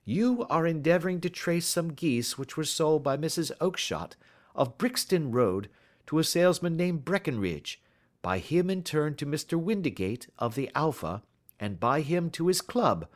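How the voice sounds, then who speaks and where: A man voicing a calm, shrewd gentleman detective who speaks blandly and with assurance in a storybook reading. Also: on the high side, moderate pace, pitched above the performer's own voice. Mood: bland assured. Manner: bland, smooth and self-assured.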